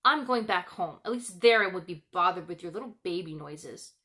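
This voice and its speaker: A woman's voice: lowish voice, lively intonation, normal speed, pushed and bright. A woman voicing a sneering, cruel young boy in a storybook, irritable, snappish and mocking. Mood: petulant.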